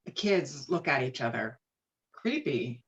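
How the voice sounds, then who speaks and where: A woman's voice: extremely low pitch, lively intonation, measured pace, a little hiss or hum. A woman reading screenplay stage directions as narrator at an online table read. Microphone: video call. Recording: dull lo-fi online call audio.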